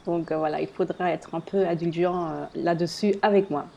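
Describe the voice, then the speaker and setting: A woman in her late thirties hosts a casual solo podcast. She is a native German speaker with a German accent. Her voice is soft-edged, mellow and a little low, and she explains things somewhat haltingly. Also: fairly even intonation, creaky, muffled recording, a little hiss or hum. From German-speaking area, living in eastern Belgium near the German border. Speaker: podcast host and blogger.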